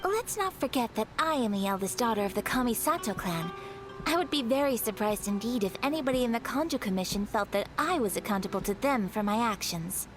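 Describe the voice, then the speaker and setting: A woman's voice: on the high side, expressive, over music, close to an everyday voice. Woman playing a poised young noblewoman. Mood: composed. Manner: formal, measured and poised. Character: young noble eldest daughter, composed, dignified.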